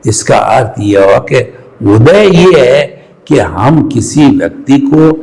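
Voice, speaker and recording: A man's voice: medium pitch, vocal fry, a little mellow, rough recording. A man giving a spiritual discourse as a teacher, explaining with emphasis and everyday analogies.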